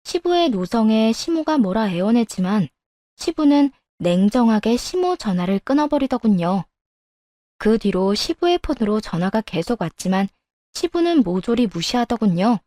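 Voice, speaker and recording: Mellow, higher-pitched woman narrator. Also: dry recording, studio quality. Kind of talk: scripted first-person story narration.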